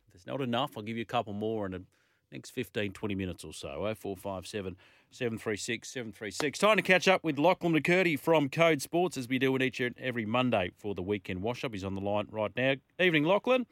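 A man's voice: medium pitch, animated, fairly bright tone, no room sound, studio quality. Australian man hosting sports radio. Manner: brisk, chatty, reads out phone numbers and clues.

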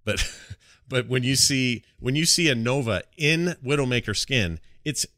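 A man hosting a casual gaming podcast, rambling along in an animated, colloquial way. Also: mid-range voice, a little slow, dry recording, clean studio sound. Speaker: podcast host.

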